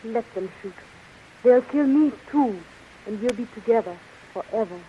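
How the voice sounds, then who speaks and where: A woman's voice: a little high, expressive, normal speed, natural voice. A woman playing a devoted, melodramatic young heroine in a 1930s radio serial. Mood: ardent despair. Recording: muffled, hissy 1930s radio recording.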